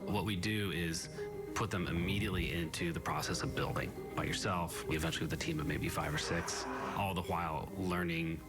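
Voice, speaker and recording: A man who leads a game design program, speaking in a measured, deliberate interview. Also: deep voice, fairly even intonation, over loud music.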